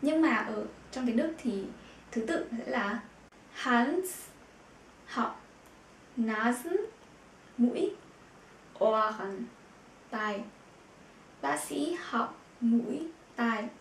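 A woman with a fairly high voice teaches vocabulary in an echoey room with faint noise behind her. She says each term slowly, repeats it, and fills her pauses with soft hesitation sounds. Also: animated, far from the mic. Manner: repeats words slowly and clearly, with frequent filler sounds. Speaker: German language teacher. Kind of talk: vocabulary lesson.

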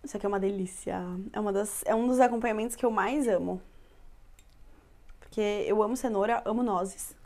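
A woman's voice: medium pitch, fairly quick, long pauses, a little mellow. A young woman hosting a casual home cooking show, chatty, often checking in with listeners. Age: young adult. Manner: chatty, with filler "tá?" tags. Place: home kitchen and living room, indoors.

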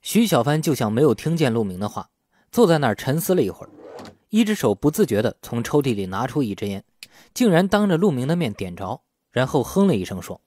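A man's voice: medium pitch, very animated, fairly quick, mellow, dry recording. A man narrating a crime novel as a scripted audiobook, in a storyteller's delivery. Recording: faint music bed under the voice. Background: faint background music.

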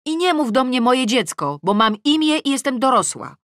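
A woman's voice: high-pitched, sing-song, normal speed, fairly bright tone, no room sound, studio quality, voice pushed up. A woman audiobook reader playing an offended, defiant, nearly grown-up daughter, speaking sharply and emphatically.

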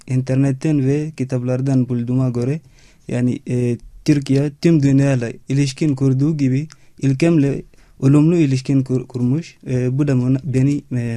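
Soft, dark-voiced young Chadian man, halting learner. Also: mid-range voice, level tone, no echo, clean studio sound. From Chad. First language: not Turkish. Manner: halting non-native Turkish with stumbles. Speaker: student guest. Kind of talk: interview answers.

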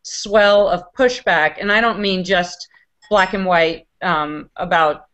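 A woman's voice: lowish voice, fairly even intonation, slow, fairly bright tone, clean tone. A young woman on a video call, talking in a hurry with stammering restarts.

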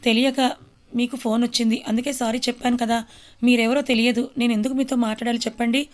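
A woman's voice: fairly high pitch, flat delivery, quick pace, slight background noise, lightly acted. A woman voicing a young housewife and mother who answers a stranger curtly and with irritation. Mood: irritated. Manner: curt, irritated.

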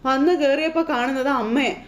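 A woman retells the plot of a TV serial in a lively, chatty voice that sits high. Her narration is heard with a roomy echo. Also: a little fast. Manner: lively, conversational. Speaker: storyteller.

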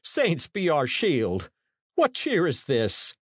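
A man's voice: mid-range voice, very animated, a little slow, dry recording, clean studio sound, voice pushed up. A man voicing a portly middle-aged priest in an audiobook, fretful and scholarly, with pompous, exclamatory archaic speech. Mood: aghast.

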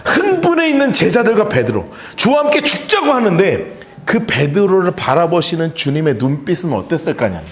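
A middle-aged male pastor preaching a sermon, chatty and animated, with laughing asides to the congregation. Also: sits high, moderate pace, a little hiss or hum. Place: church sanctuary. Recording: roomy church reverb.

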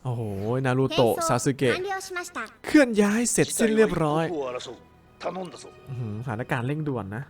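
This gameplay commentator speaks at a medium pitch and normal speed, pausing often, as he plays a fighting game with excitement. He yells and repeats words during fights, sounds a little sore-throated, and loud game music runs behind him.

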